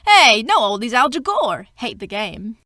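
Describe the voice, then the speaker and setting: Satire role: folksy, blustering governor woman acting, high-pitched, lively swoops, mock-assertive and bumbling. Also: a little slow, background noise. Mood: defensive. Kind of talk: staged reader's theater political satire.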